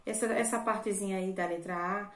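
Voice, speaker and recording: A Brazilian primary school teacher records a remote lesson for children, speaking a little fast in a medium-pitched, slightly bright, fairly even voice. She explains patiently and repetitively, often checking in with "certo?", and the audio is reverberant.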